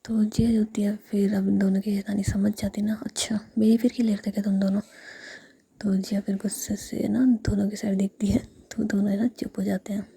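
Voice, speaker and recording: A woman's voice: mid-range voice, flat delivery, brisk, creaky, few pauses, mellow, breathy edge. Whispering woman telling a story.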